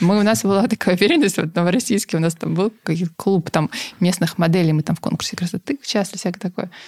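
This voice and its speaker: A woman talks very fast at a medium pitch, somewhat breathy, with ordinary pitch variation and a dry, close sound with no echo. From Novorossiysk, southern Russia. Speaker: business founder and CEO. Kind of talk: casual interview conversation. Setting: office, recorded in company office.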